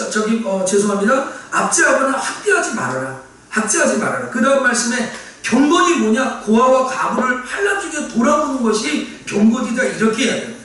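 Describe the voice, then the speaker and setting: High, lively man preaching in an echoey church. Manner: emphatic, repeats key phrases, sometimes shouting. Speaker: pastor. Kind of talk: sermon. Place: church sanctuary. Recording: echoey church hall from far off, faint ambience.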